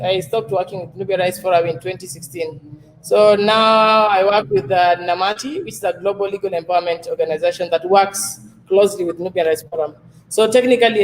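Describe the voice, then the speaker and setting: A man's voice: high voice, low-quality recording. Easygoing man from Kenya, faint background hiss. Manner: relaxed, hesitant, many "uh"s. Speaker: panel guest, rights advocate. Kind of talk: conversational panel answers.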